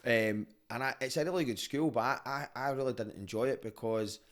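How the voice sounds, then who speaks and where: Speaking briskly at medium pitch, this Glaswegian man with a street Scottish accent swaps stories and banter on a laid-back podcast, candid and full of swearing.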